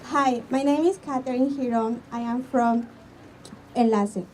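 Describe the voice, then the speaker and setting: A young woman from Guatemala with a Spanish accent, giving an earnest rally speech as a student in halting English. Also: a little high, steady tone. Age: young adult. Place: outdoor school campus. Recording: distant mic, faint outdoor noise.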